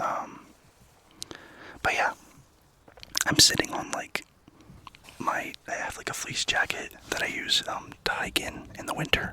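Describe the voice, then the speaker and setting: A man whispers at a fairly slow pace with long, frequent pauses. Background noise is noticeable. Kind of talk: ASMR whisper ramble. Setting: outdoors. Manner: whispered.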